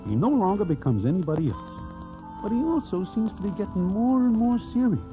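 An actor playing a wry Broadway narrator in a 1940s radio drama, speaking formally, without contractions. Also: male voice, sits high, sing-song, a little fast. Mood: narrating. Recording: tinny old radio broadcast with music.

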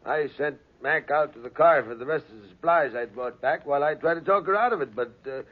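An actor playing an irritable, evasive husband, curt and stammering, in a 1940s radio drama. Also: male voice, fairly high pitch, a little fast, close to an everyday voice. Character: defensive, irritable widowed husband with something to hide. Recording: muffled 1940s radio broadcast recording.

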